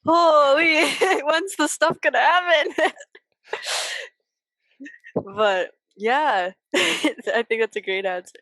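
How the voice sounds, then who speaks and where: A woman's voice: sits high, slow, fairly bright tone, no room sound. A woman co-hosting a podcast, chatting informally and chiming in with asides. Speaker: podcast co-host. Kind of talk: casual chat.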